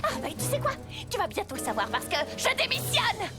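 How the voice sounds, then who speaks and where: A woman's voice: extremely high pitch, wildly swooping pitch, a little fast, music in the background, full character voice. A woman playing a fussy, exasperated twin sister of a superhero in a French cartoon dub, speaking emphatically. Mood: indignant, exasperated. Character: superhero's indignant, perfectionist young twin sister. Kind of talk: French-dubbed animated cartoon acting.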